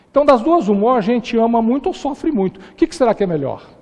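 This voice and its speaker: With lively intonation, a man speaks at an extremely high pitch over noticeable background noise. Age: 60s. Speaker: spiritist lecturer, retired professor. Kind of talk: religious lecture. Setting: spiritist center with audience.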